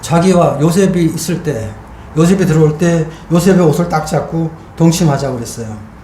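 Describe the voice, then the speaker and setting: In a room with audible echo and noticeable background noise, a man speaks at a high pitch. He talks at a fairly slow pace. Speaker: retired preacher. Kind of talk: sermon.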